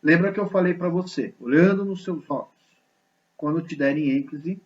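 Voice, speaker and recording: A male teacher gives a grammar lesson in a lively, explanatory way and often checks in with rhetorical questions. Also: fairly high pitch, normal speed. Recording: slightly dull lo-fi recording.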